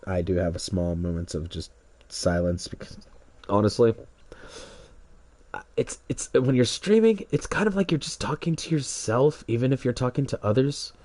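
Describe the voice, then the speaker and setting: A man's voice: medium pitch, expressive, moderate pace, darkish tone, no echo. A young man streaming a game, congested, rambling hesitantly with many restarts while he waits for a match. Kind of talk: rambling solo stream chat.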